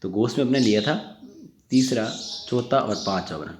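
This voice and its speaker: A man's voice: mid-range voice, expressive, normal speed. A man teaching a grammar lesson, asking his students questions and answering them himself, often repeating points. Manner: asks and answers his own questions, repetitive. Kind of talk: Hindi grammar lecture. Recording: echoey room, faint noise.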